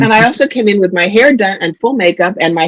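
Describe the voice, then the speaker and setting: A woman at a medium pitch with an American accent, very wide pitch swings and a very fast pace, in a dry, close sound with no echo. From New Jersey. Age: 60s. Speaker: intuitive life coach and author. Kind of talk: interview.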